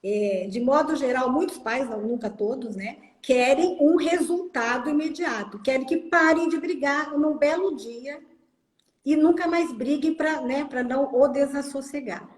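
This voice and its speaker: A woman speaks with a high, bright voice, giving emphatic advice in a casual interview. The sound has a roomy echo around her. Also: a little slow. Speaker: host. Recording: echoey room.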